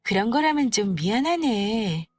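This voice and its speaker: A woman voicing a snobbish, sneering young woman in an audio story, talking in a condescending, mocking, drawn-out way. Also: a little high, big pitch swings, dry recording, soft background music. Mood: mocking, disdainful. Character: snobbish, sneering young woman who belittles her friends. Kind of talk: acted dialogue in an audio story.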